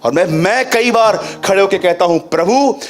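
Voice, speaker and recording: High-voiced man preaching with rhetorical questions. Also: lively intonation, moderate pace. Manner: preaching with rhetorical questions, swinging between raised and low voice; mixes English phrases into his preaching. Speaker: pastor. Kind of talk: sermon.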